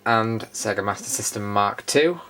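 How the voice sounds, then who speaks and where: Lowish but bright and forceful, this British man's voice moves with lively intonation at a moderate pace. As a video host giving an unscripted, casual show-and-tell tour, he's matter-of-fact and dryly opinionated; the indoor studio recording has noticeable background noise.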